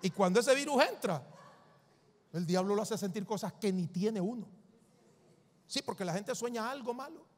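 High-voiced emphatic male preacher. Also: lively intonation, moderate pace, pauses often, long reverb tail. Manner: emphatic, repeats lists for the congregation. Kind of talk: sermon.

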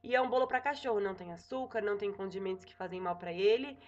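A woman's voice: medium pitch, quick pace, highs cut off. A young Brazilian woman in her home kitchen giving a casual cooking tutorial, chatting along and checking in with her viewers. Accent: Brazilian Portuguese. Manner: chatty, frequent "tá?" check-ins and self-corrections. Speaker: cooking vlogger.

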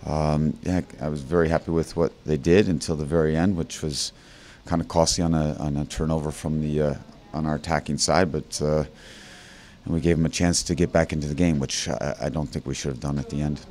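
Older-sounding man with a very deep voice, halting head coach talking to a handheld mic, light background hum. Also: little pitch movement, darkish tone. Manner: halting, many fillers and restarts. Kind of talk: postgame interview. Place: indoor interview backdrop. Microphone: handheld mic held by interviewer.

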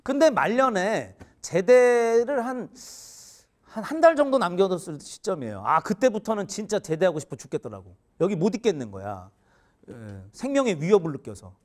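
A man in his forties, a teacher, telling a funny story in an animated way and often laughing mid-sentence. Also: high voice, normal speed. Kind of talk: humorous storytelling lecture.

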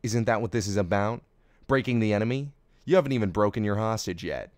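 A man's voice: fairly low pitch, fast, no room sound, clean studio sound, close to an everyday voice. A man playing a bitter, sardonic, taunting character in an audio drama. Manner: sarcastic, taunting. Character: sardonic, bitter, foul-mouthed man goading a villain. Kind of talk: anime fan audio drama acting.

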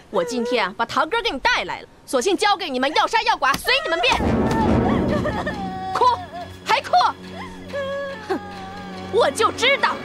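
An actress playing a bitter, furious middle-aged concubine in a period TV drama, shrieking and scolding. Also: female voice, extremely high pitch. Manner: shrieking, scolding, spitting insults.

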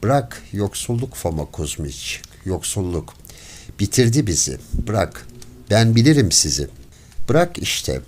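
A man voicing a poor peasant man who pleads desperately and then rages and shouts, in an audiobook story. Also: lowish voice, big pitch swings, a little slow. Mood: pleading. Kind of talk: audiobook character voice.

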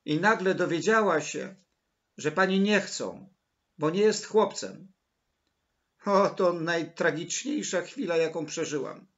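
A man voicing a dramatic, excitable red-haired orphan girl who pleads tearfully and melodramatically. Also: fairly high pitch, takes it slowly, highs cut off, pitched above the performer's own voice, heavily acted.

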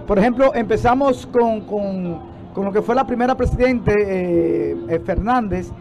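A man's voice: sits high, a little slow. A man in his forties reporting live from a city street on a handheld mic, talking hesitantly with many fillers. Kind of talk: live event commentary. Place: outdoors on a city street by barricades.

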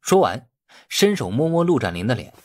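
A man's voice: mid-range voice, big pitch swings, moderate pace. A man reading scripted novel narration as an audiobook narrator.

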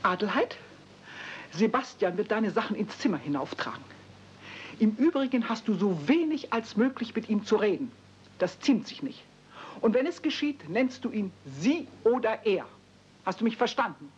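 An actress playing a stern, haughty middle-aged housekeeper in a radio play, formal and scolding. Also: female voice, mid-range voice, very animated, moderate pace, close to an everyday voice. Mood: strict, commanding. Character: stern, easily shocked middle-aged German housekeeper lady. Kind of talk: 1970s radio play acting. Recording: muffled, noisy old cassette with hum.

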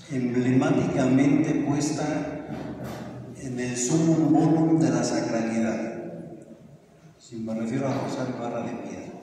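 Mexican guy, middle-aged, mellow voice, making his case deliberately over a pa in a really echoey hall. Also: medium pitch. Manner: emphatic, deliberate, poses and answers own questions. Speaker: speaker giving a talk at a political conference. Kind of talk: extemporaneous public lecture, argumentative. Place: large brick-walled meeting hall with PA speaker. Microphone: handheld PA microphone, recorded from a far camera. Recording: very echoey hall, distant camera, faint noise.

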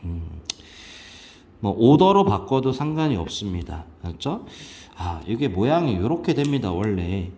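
Lively low-voiced man explaining a lesson. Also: a little slow. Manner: lively, asks students questions and answers himself; sudden jumps in pitch on English words. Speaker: English teacher. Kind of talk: explaining a textbook passage.

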